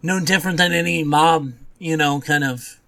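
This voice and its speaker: A man's voice: fairly high pitch, fairly even intonation, normal speed, gravelly, sharp tone. A man co-hosting a casual pop-culture podcast, agreeable and speaking in short, informal interjections. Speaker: podcast co-host.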